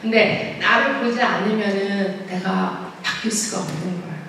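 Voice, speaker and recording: A woman's voice: mid-range voice, normal speed, fairly bright tone, slight background noise. A woman speaking as a guest pastoral counselor at a church lecture, chatty, acting out quoted voices and asking the audience questions. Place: large church sanctuary. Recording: echoey hall, voice from a distance.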